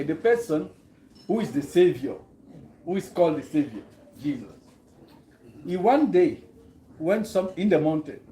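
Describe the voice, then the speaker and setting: A man speaks to a gathering as a guest. He talks earnestly and leans on rhetorical questions. His voice is slightly high yet mellow, set in an echoing room. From Cameroon. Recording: roomy echo.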